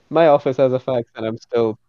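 A man's voice: medium pitch, moderate pace, no echo. Laid-back male podcast host, dull lo-fi sound. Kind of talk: casual film podcast chat.

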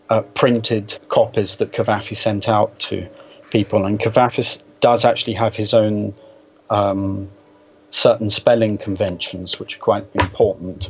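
A man with a fairly low voice talks as a guest in a literary conversation. His delivery is measured and hesitant, with a precise, scholarly bent. The sound is that of a dull internet call with some faint noise. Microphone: Skype call.

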